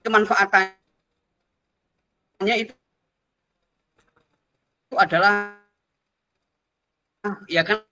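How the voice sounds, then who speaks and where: A man's voice: high voice, steady tone, extremely slow, pauses often, sharp tone. A man speaking in an online discussion over a video call, his audio breaking up and choppy, hesitant with cut-off words. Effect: choppy, breaking-up internet audio. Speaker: guest speaker.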